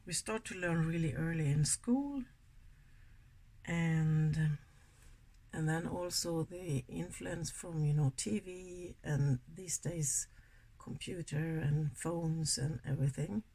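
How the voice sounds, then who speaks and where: Slow, breathy Swedish woman in her sixties. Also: deep voice. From Sweden. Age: 60s. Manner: chatty, rambling, soft-spoken. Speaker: beauty vlogger. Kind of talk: casual makeup tutorial chat.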